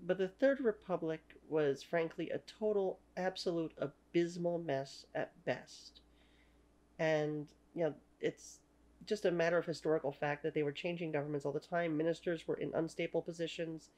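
A woman's voice: deep voice, fairly even intonation, moderate pace, a little mellow. A woman in her thirties with a Canadian accent and French as her first language, giving an opinionated talking-head history lecture at home with many "you know" fillers. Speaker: history channel host. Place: small room at home.

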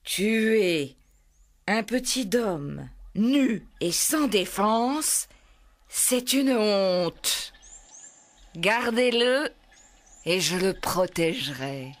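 A woman's voice: medium pitch, expressive, drawn-out words. A woman voicing a cunning black panther. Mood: indignant.

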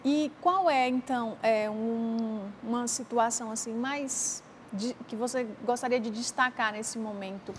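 Brazilian morning show host, woman, gently guiding. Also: a little high, measured pace, slight background noise. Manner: interviewing, prompting and finishing the guest's sentences. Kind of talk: religious morning TV talk.

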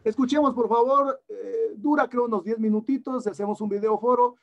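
A man lecturing his students over a video call, relaxed and coaxing, often repeating his phrases. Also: high voice, moderate pace, creaky, muffled recording. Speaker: engineering lecturer. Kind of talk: online class talk.

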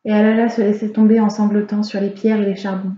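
A woman reading a fairy tale aloud as an audiobook reader, in a calm, measured storytelling manner. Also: medium pitch. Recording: roomy, slightly dull home recording.

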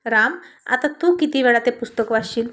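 A woman's voice: a little high, animated, normal speed, a bit bright. A woman reading the lines of a friendly male college teacher who teases his student. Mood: kindly. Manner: friendly, teasing.

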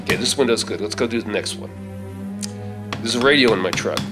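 A middle-aged man on stage playing a gruff, take-charge survivor of a zombie attack in a radio play, with folksy phrasing. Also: on the low side, a little fast, natural voice. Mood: steady, grim. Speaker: stage actor reading a script. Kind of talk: live radio-play acting. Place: theater stage. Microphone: stand microphone. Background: loud music.

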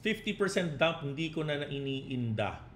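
A man's voice: fairly high pitch, lively intonation, moderate pace, a bit bright, a little hiss or hum. A man, a crypto trading coach on a casual live stream who mixes Tagalog and English, reads out chat comments and keeps tagging his points with 'no?' and 'di ba?'.

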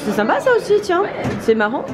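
A woman's voice: high-pitched, huge pitch swings, brisk, over loud music, over a noisy crowd. A woman with a French accent, a mother narrating a casual family vlog from a hotel, chatty and tender with her children. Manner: chatty, tender toward children, softens to a hush at bedtime. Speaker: vlog host, mother filming. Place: hotel rooms and game room, indoors.

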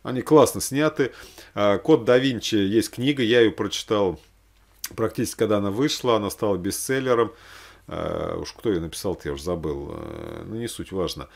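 A man's voice: fairly low pitch, animated, normal speed, creaky. A man in his forties talking casually and unscripted, rambling and thinking aloud with hesitant asides. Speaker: religious vlogger recommending films. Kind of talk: casual, unscripted chat to camera. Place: small room at home, indoors.

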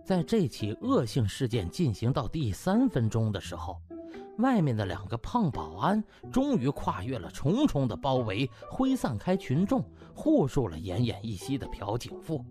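Highly animated male comic storyteller. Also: normal speed, music in the background. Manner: theatrical, uses sound words and exclamatory particles. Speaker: audiobook narrator.

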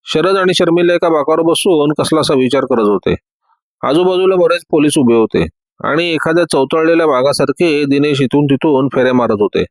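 A male storyteller reads a detective tale aloud, lifting his pitch to voice each character in turn. His voice sits a little high for a man, recorded close and dry with no room sound. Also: normal speed, no room sound.

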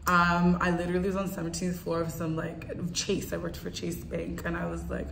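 A woman's voice: on the low side, monotone, brisk, creaky, echoey room, a crowd in the background. A young woman from Canada in casual conversation as an interview guest, chatty and laughing often.

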